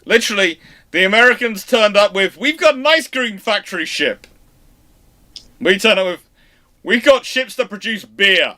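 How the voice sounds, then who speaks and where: A man hosts a live history stream, his voice bright and forward. He talks in an animated way, tossing in quick asides and dry jokes as he answers questions. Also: sits high. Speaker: naval history channel host. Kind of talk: live Q&A chat.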